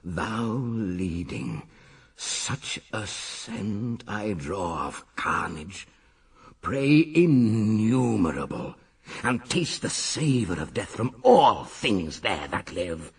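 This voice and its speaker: Grim monster of hell for radio verse drama, extremely husky, slow, deep, ravenous and menacing. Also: male voice, sing-song, heavily acted. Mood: hungry, menacing. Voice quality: husky, rasping. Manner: menacing, savoring, deliberate.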